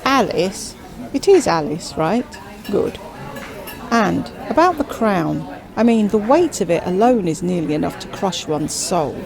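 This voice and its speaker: Woman doing a drawly grand widowed queen, full of herself, slow and theatrical, crowd chatter behind. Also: mid-range voice, big pitch swings, creaky. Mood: gossipy.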